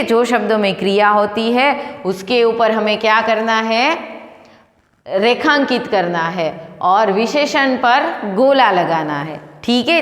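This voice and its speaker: Woman teacher, fairly high voice, slow and patient, reverberant room. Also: fairly bright tone. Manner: slow, patient, asks questions and answers them herself. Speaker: primary school Hindi teacher. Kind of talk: recorded online class lesson. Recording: echoey room with long reverb.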